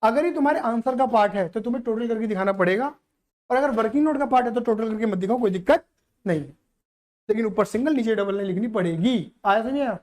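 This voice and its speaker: A man's voice: high-pitched, quick pace, a little mellow. A man teaching accountancy to a live class, playful and teasing as he keeps quizzing the students.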